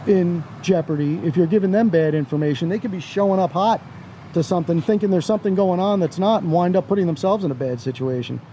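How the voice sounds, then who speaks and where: A man's voice: sits high, warm tone. A man giving casual advice in a monologue, emphatic, driving points home in short phrases. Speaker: online video commentator. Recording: faint car and outdoor noise.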